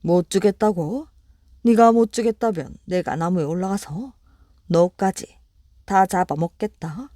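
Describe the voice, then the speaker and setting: A woman voicing a greedy, menacing male tiger in a bedtime storybook reading, speaking gruffly and threateningly. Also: on the low side, unhurried, dark tone, dry recording, clean studio sound, close to an everyday voice.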